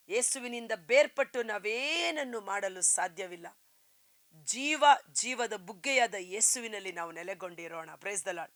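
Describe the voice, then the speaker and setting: A woman's voice: a little high, a bit bright, no echo. A woman preaching a fervent Christian sermon, building emphasis on key phrases and quoting scripture.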